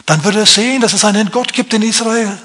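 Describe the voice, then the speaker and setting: A man voicing a calm old prophet who speaks with easy, sing-song assurance. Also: sits high, brisk, pitched above the performer's own voice. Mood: assured.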